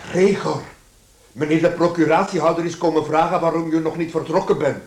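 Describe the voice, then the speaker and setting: A man's voice: on the high side, steady tone, a little fast, darkish tone, natural voice. An actor in a radio play playing a middle-aged, bossy father who barks orders yet fawns on superiors. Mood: stern. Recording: echoey, slightly noisy radio drama recording.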